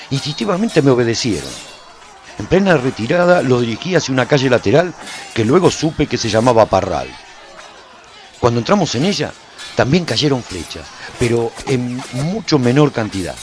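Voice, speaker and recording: A man playing a solitary warrior who recounts his battles in solemn, measured, scripted radio-serial narration. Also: medium pitch, natural voice.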